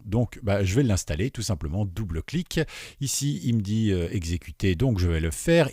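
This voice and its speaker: A man giving a relaxed, screen-recorded tutorial, chatty and digressive, with many fillers and repeated words. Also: medium pitch, no echo, clean studio sound. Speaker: teacher.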